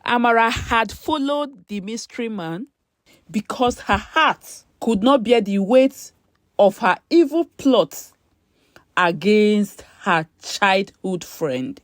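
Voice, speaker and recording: A woman narrating a scripted story dramatically, breaking her sentences into short, deliberate phrases. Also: mid-range voice, animated, no room sound.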